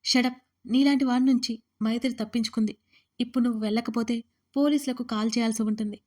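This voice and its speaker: A woman's voice: fairly high pitch, steady tone, quick pace, a little mellow, lightly acted. A woman voicing a young woman who tries tearfully and urgently to explain herself to her friend, in an audio story. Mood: firm.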